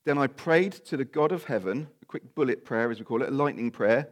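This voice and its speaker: A man delivering a sermon, his voice croaky and slightly nasal from a week of coughing. He reads a long scripture passage at a middling pitch, breaking off now and then for casual, apologetic asides to the congregation. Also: a little fast. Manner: informal, apologetic asides while reading scripture. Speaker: preacher. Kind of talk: sermon with Bible reading.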